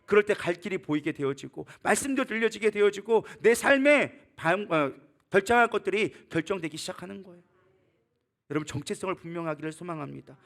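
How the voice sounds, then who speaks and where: A male pastor delivers a sermon in a voice gone hoarse, rough and gravelly. He talks quickly and sits high in his range. He presses his listeners with urgent exhortation and bursts into loud scolding when he quotes. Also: expressive.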